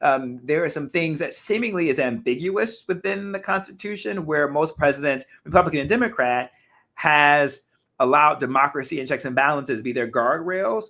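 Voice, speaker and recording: A man hosting a live talk show, chatting casually and reacting to viewer comments, his voice a little hoarse and his delivery animated with frequent self-corrections. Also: a little high, moderate pace. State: slightly hoarse.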